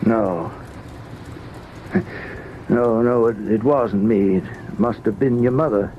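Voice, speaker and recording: Weary, fearful widower for vintage radio drama: slow, halting, defensive, on a muffled old recording. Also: male voice, lowish voice, slight background noise. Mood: evasive, nervous.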